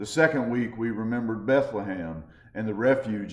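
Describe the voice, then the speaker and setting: Over audible room echo, a man with a fairly low voice talks at a moderate pace with ordinary pitch variation. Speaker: devotional speaker. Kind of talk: devotional talk. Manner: halting.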